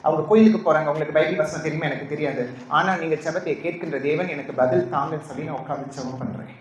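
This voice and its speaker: A woman's voice: sits low, quick pace, a little hiss or hum. A trans woman preacher giving an emotional testimony to a congregation, pleading and asking the audience questions. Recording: echoey hall.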